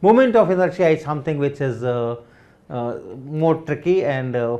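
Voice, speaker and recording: At a fairly slow pace, this man talks in a dark, mellow tone. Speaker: physics teacher. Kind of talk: lecture. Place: classroom.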